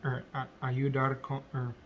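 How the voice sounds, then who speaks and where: Very slow and evenly paced, this native English speaker's vlog is halting, unscripted speech practice delivered in a monotone. Frequent ums and self-corrections break up his talk, and the recording carries a light hiss with the high frequencies cut off.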